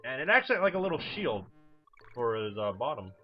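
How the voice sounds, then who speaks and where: A man's voice: mid-range voice, sing-song, moderate pace. A man giving casual, rambling video game commentary as a let's player, informal and prone to swearing. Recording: dull lo-fi mic over game music. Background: video game music.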